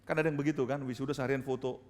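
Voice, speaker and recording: A man's voice: mid-range voice, flat delivery, rapid-fire. A middle-aged male pastor preaching a sermon and telling anecdotes with acted-out voices, often addressing the congregation directly.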